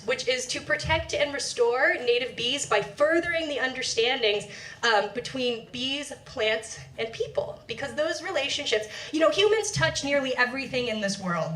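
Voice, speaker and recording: Speaking at a moderate pace with a voice on the high side, a young woman researcher delivers an energetic public talk to a live audience, moving about the lecture room. Because she sometimes drifts away from her handheld or stand mic, she sounds distant and echoey.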